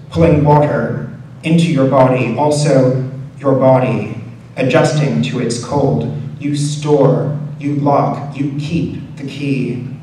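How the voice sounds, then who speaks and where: A man reading poetry aloud as a poet, in a measured, deliberate delivery with pauses between short phrases. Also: medium pitch, warm tone. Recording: very echoey room, distant mic, faint noise.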